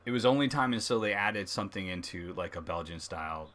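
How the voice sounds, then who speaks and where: A man with a fairly low voice hosts a casual live review. He talks in a halting, conversational way, working out his thoughts as he speaks. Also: lively intonation, a bit bright. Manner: halting, thinking aloud. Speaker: host of a beer review livestream. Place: livestream, speaking beside a laptop.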